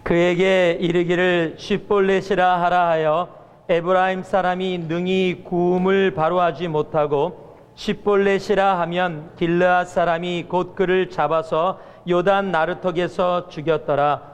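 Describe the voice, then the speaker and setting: A man's voice: sits high, flat delivery, measured pace, clean tone. A male pastor giving a sermon and telling stories with acted-out quotes. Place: church sanctuary. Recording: church hall reverb.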